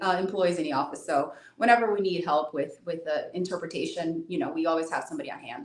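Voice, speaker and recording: A woman's very fast delivery with very wide pitch swings. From Brazil, moved to US around age 9. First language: Portuguese. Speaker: immigration attorney. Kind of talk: interview.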